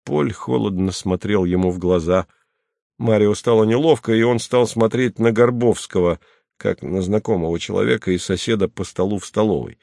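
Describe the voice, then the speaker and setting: A man narrating an audiobook in a measured, even way. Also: on the low side, vocal fry, no room sound, clean studio sound.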